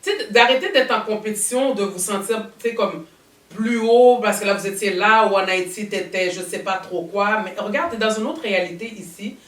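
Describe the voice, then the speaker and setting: Animated woman host. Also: mid-range voice. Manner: animated, talks in quick rambling bursts. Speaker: talk show host. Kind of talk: casual panel chat. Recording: roomy studio sound, mic at a distance.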